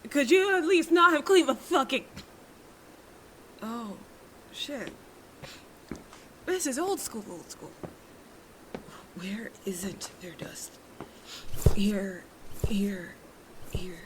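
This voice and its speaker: A female spaceship captain on edge in a sci-fi audio drama. She is sarcastic and foul-mouthed, muttering frantically to herself. There is clear noise and clicking behind her. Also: a little high, lively intonation, very slow, pauses often. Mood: frantic.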